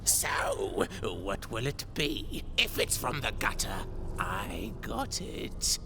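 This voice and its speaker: An actor playing an eccentric, fussy old sewer merchant in a video game, with a gravelly voice and erratic, emphatic outbursts. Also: male voice, fairly low pitch, huge pitch swings, slow pace, noisy background, full character voice. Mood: sly, haggling. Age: older. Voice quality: gravelly, creaky. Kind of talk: video game character acting.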